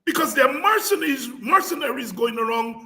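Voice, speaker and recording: A middle-aged man giving an impassioned political address, repeating phrases and rising into shouts. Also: very high voice, expressive, fairly quick. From Guyana. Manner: fiery, declamatory, repeats phrases for emphasis, breaks into shouts. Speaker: podcast host and political speaker.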